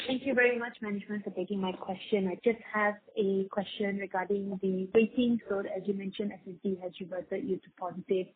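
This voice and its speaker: A woman's voice: mid-range voice, husky. A female analyst politely asking a question on an earnings call. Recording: muffled thin phone line.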